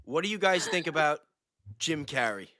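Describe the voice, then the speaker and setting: Male panelist, higher bright voice, slangy emphatic casual talk. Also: lively intonation, normal speed, no room sound. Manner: slangy, emphatic, repeats points. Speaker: livestream panelist. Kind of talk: casual chat.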